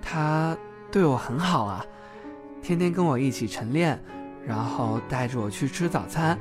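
A man's voice: mid-range voice, expressive, a little slow, music in the background, natural voice. A man playing a sweet, bashful, teasing young gay man in an audio drama. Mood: tender.

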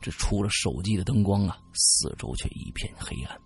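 A man telling a spooky story in an animated, dramatic way. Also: on the low side, moderate pace, vocal fry, a little hiss or hum. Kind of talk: casual spoken ghost story.

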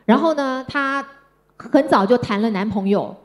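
A middle-aged woman from Taiwan speaks, telling personal stories from a stage. Her delivery is gentle and conversational, and she softens her sentences with particles at their ends. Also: on the high side, moderate pace. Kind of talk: personal storytelling talk. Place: stage before an audience.

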